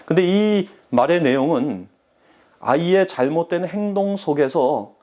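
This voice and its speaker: A man's voice: a little high, darkish tone. A man preaching a sermon as pastor, speaking earnestly and addressing the congregation directly.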